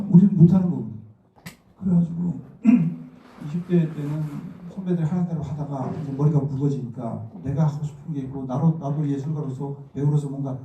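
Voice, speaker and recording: A man's voice: fairly high pitch, dark tone, slight background noise. Muffled Daegu-accented man lecturing from afar. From Daegu, South Korea. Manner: conversational, acts out remembered dialogue. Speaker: guest lecturer, stage actor. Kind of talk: informal lecture with personal storytelling. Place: indoor lecture room, recorded from a distance. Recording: muffled, echoey room, distant mic.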